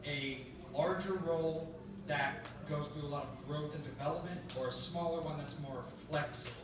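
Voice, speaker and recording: A man in the audience asks the panel a question, hesitant and tentative. His slightly high voice comes from far away across a reverberant convention hall, with noticeable room noise around it. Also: normal speed. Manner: hesitant, starts with "uh" and "um". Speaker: audience member asking questions. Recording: echoey hall, far from camera.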